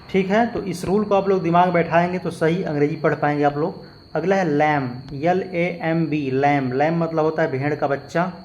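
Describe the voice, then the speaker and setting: Teacher, male, slightly raised pitch, patient explainer who spells words letter by letter, faint background hiss. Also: dull audio. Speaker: English teacher. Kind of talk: spoken lesson with spelled-out examples.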